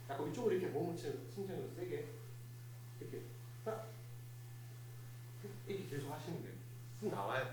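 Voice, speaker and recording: Male fire safety instructor, hands-on demo, slightly high and lively voice, faint hum behind. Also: echoey room. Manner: instructive, repetitive, talks to a live group. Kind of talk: hands-on first aid demonstration. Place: hall of a place of worship.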